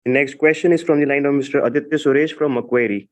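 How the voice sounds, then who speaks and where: A man's voice: medium pitch, steady tone, quick pace. A man working as a conference call operator, making formal scripted announcements.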